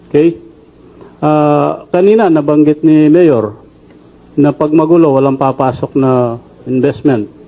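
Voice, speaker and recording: He talks at a fairly slow pace with long, frequent pauses and ordinary pitch variation, a man's voice throughout. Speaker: government or security official speaking to a crowd. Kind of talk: rally speech. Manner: forceful, commanding, challenging; animated, repeating rhetorical questions for emphasis.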